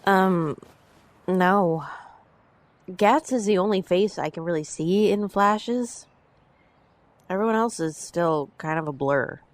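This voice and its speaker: An actress playing a weary, shaken woman in an audio drama, speaking in a halting, hesitant way. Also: lowish voice. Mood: weary, dazed. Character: weary, shaken woman recovering from a fainting spell. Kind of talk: audio drama acting, slow dialogue.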